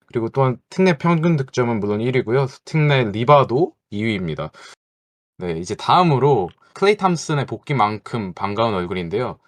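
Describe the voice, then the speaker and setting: A man's voice: mid-range voice, big pitch swings, a little fast, no room sound. Casting: male host, plain middle voice, dry close sound. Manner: reads segment intros, a bit nervous, tongue-tied over names. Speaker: podcast host. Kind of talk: casual basketball chat.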